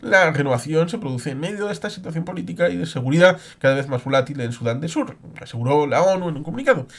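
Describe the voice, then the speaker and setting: Guy with a kinda higher voice reading out news and commenting, halting, pauses a lot. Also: animated, creaky.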